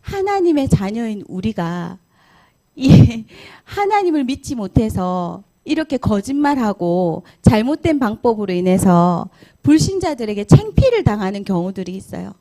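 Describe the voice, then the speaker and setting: A woman's voice: on the high side, sing-song, moderate pace, dark tone. A middle-aged pastor's wife telling a Bible story to a Sunday school class, acting out the figures' lines as she goes. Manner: talks directly to the children. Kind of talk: children's Bible story lesson.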